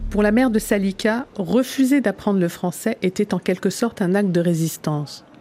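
A woman speaks in a normal speaking voice at a moderate pace. Her pitch sits in the medium range, with ordinary variation. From France, Versailles. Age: 50s. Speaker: podcast host and journalist. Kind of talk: scripted narration.

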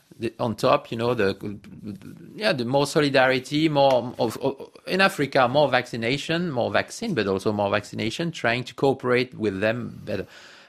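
A man with a French accent, medium-pitched, with ordinary pitch variation, at a moderate pace. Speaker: political analyst. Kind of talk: interview. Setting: studio. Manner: halting.

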